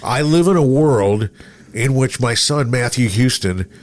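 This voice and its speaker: A man's voice: mid-range voice, expressive, unhurried. Casual man hosting a chatty radio podcast. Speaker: radio show host.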